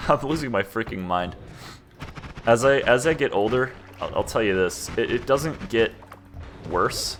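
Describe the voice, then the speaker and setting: Over music in the background, a man with an American accent speaks at a moderate pace, leaving long, frequent pauses. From US Midwest, Indiana. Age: 20s. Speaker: game streamer. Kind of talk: casual gameplay commentary. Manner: animated.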